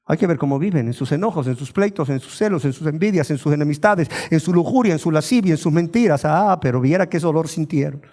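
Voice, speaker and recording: A man's voice: on the high side, quick pace, hardly any pauses, mellow. A pastor, preaching a sermon in a rhetorical, questioning way and mocking the claims he argues against.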